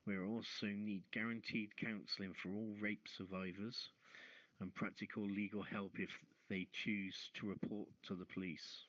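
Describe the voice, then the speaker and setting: Low-pitched man hosting, dull dry audio. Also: level tone, normal speed, fairly bright tone, no echo. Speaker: host of an online radio talk show. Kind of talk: reading news stories aloud, chatting between.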